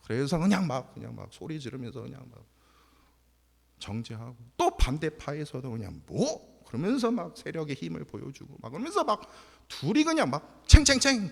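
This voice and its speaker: A man preaching a sermon as pastor, animated, jumping from loud outbursts to hushed near-whispers. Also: medium pitch, normal speed, creaky. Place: church sanctuary. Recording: long hall reverb.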